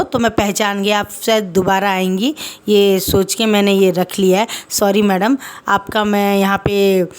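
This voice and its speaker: A woman's voice: mid-range voice, close to an everyday voice. A woman voicing a courteous middle-aged male shopkeeper who explains himself politely and apologetically.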